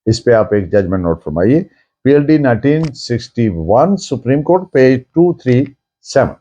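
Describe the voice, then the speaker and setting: A man with a Pakistani accent giving a formal law lecture, deliberate and emphatic, restating points as he reads out and explains. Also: medium pitch, very animated, warm tone. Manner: deliberate, emphatic, repeating points in Urdu and English. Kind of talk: formal lecture, reading out and explaining legal text.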